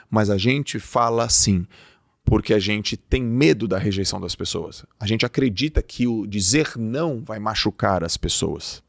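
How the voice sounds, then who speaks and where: Brazilian male podcast host, gravelly voice, dry close studio sound, emphatic motivational delivery. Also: mid-range voice, no room sound. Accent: Brazilian Portuguese. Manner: emphatic, acts out quoted dialogue. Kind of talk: motivational talk.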